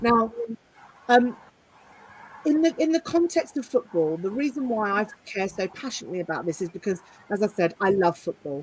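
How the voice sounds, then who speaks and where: A woman speaks with very wide pitch swings and long, frequent pauses. Noticeable background noise is present. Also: moderate pace. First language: not English. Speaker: activist and charity trustee. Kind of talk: panel talk. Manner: halting, many fillers; animated.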